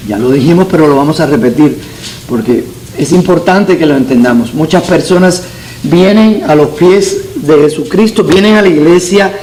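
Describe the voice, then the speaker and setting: A man's voice: a little high, moderate pace, darkish tone, a little hiss or hum, rough recording. A man born in Cuba, a pastor teaching a Sunday school Bible class, earnest and repeating key phrases for emphasis.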